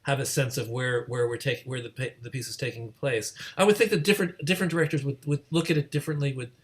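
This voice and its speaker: A man's voice: mid-range voice, fairly even intonation, quick pace. Hesitant man moderating a casual interview. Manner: hesitant, stammering, repeats word starts. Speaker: host, moderator.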